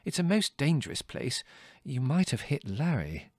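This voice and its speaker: A man voicing a gentle, fretful mother who mildly scolds her son. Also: mid-range voice, very animated, normal speed, husky, no echo, clean studio sound, pitched above the performer's own voice. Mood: mildly reproving. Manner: soft, mildly reproving.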